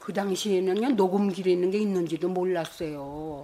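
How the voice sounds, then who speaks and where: The woman's fairly low voice moves at a moderate pace with ordinary pitch variation, while noticeable noise runs in the background. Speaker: war survivor. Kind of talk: interview testimony.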